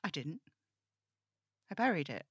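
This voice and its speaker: A woman's voice: deep voice, big pitch swings, unhurried, a bit bright, slightly rough, dry recording, studio quality, full character voice. A woman playing a burdened, defiant young male broadcaster in an audio drama table read, snappish and sarcastic. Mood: sarcastic, guarded.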